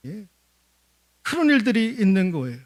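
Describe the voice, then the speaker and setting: A man pastor preaching a sermon at a church service, animated and full of rhetorical questions, often turning to address the congregation. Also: high voice, moderate pace.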